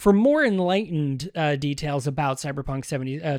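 This man's voice is fairly high in pitch, with ordinary pitch variation and a fairly quick pace. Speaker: podcast host. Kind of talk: casual solo commentary. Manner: hesitant, many fillers.

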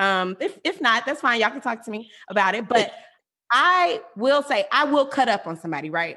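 Over a quiet background, a loud woman talks at a fairly quick pace in a fairly high pitch, her animated, bright, sharp tone marked by very wide pitch swings. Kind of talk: casual chat. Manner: loud, animated.

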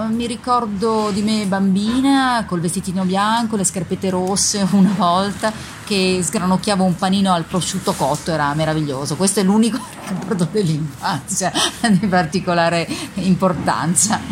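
The woman's pitch varies in an ordinary way while noticeable background noise plays around her. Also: medium pitch for a woman, moderate pace. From Italy, Turin. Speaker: theatre journalist. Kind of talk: personal testimony.

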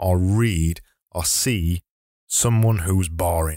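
A man with a Yorkshire accent speaks at a very slow pace in a very deep, low voice with a dark, mellow tone. His pitch varies in an ordinary way, and the recording is very clean with a silent background. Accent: broad Yorkshire. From Yorkshire, England.

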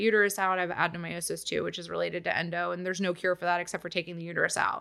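Her pace is very fast and her pitch medium. This woman has a bright, sharp tone. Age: 30s. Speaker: chronic illness patient. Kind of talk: casual chat; testimony.

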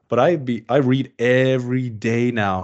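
A man with an Atlantic Canadian accent. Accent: Canadian (Atlantic Canada). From East Coast of Canada. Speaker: refrigeration trainer and mentor. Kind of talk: podcast interview.

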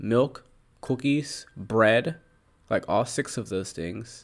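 Recorded very cleanly against a silent background, a man talks at a fairly slow pace in a normal speaking voice of medium pitch. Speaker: podcast co-host. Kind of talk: casual podcast conversation.

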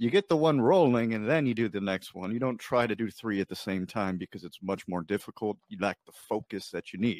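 An ordinary speaking voice: a man at medium pitch, lively intonation, fairly quick pace, hardly any pauses, dry, close sound with no echo. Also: big swings in loudness. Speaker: podcast co-host. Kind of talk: podcast interview.

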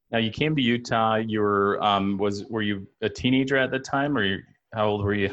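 With a normal speaking voice, a man talks at a moderate pace and medium pitch, keeping his intonation fairly even. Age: 40s. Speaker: podcast host. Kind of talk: interview.

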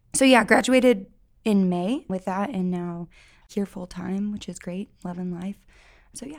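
A woman talks at a fairly slow pace in an unremarkable speaking voice, medium in pitch with ordinary pitch variation. Her loudness swings widely. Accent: American. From US Midwest, St. Louis. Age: 30s. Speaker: college ministry director. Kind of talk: podcast interview.

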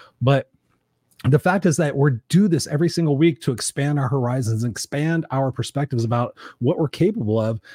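A man talks at a fairly quick pace in a fairly high voice with ordinary pitch variation, somewhat breathy and dark, mellow in tone. The sound is dry and close, with no echo. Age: 50s. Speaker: podcast host and coach. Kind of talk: casual chat. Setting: video call. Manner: animated.

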